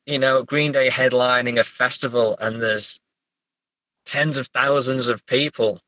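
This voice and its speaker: A man from England chatting casually as an interview guest, halting and self-correcting, with a wry way of telling stories. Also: mid-range voice, steady tone, bright, forceful tone, dry recording, poor audio. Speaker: horror novelist and therapist guest. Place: sitting in a parked car.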